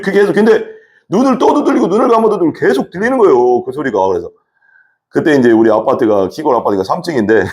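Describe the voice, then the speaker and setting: A man preaching a sermon as pastor, telling his story in an animated way. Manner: animated storytelling preacher, lively swings in pitch. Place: church.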